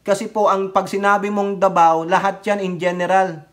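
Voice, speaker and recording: A man with a high voice that rides above most men's, running a casual political commentary vlog. He mocks and heckles the people he talks about and speaks straight to his audience, his scorn pushing through every line. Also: flat delivery, moderate pace, fairly bright tone. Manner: mocking, heckling, and addressing viewers directly; often breaks into laughter. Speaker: political vlogger.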